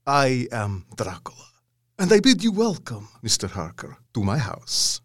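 An actor playing a tall old vampire count in an audio drama, husky, formal and stately in his courtesy. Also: medium pitch, wildly swooping pitch, unhurried, dry recording, studio quality, full character voice. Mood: solemn welcome.

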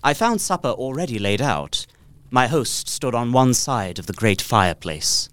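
A man's voice: medium pitch, expressive, moderate pace, a bit bright, clean tone, no room sound, lightly acted. An actor playing an earnest young solicitor, narrating his journey formally in a dramatised Gothic story. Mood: composed, relieved. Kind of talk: dramatic first-person literary narration.

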